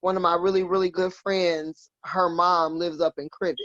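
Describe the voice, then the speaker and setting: A woman's voice: on the low side, level tone, normal speed, a bit bright, dry recording. A woman in her forties from Milwaukee, a podcast guest telling personal stories in a frank, salty, laughing way. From Milwaukee, Wisconsin. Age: 40s. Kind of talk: casual chat, personal storytelling. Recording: dull lo-fi dry sound.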